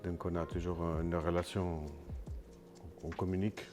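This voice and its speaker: Man, Italian accent, halting pauses, very deep voice. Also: little pitch movement, over music. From Italy. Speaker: guest. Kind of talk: casual interview chat.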